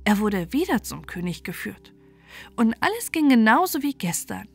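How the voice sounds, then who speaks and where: A woman reading a bedtime fairy tale as an expressive, measured storyteller. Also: a little high, faint music behind.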